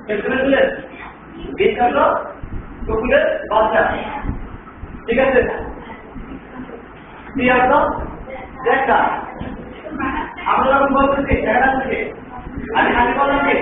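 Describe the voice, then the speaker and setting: A man teaching a classroom lesson on English pronunciation, asking his students question after question and dropping English words into his talk. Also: extremely high pitch. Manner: asks the class many rhetorical questions. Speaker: trainer. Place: training classroom. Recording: far-off, echoey, tinny, noisy room recording.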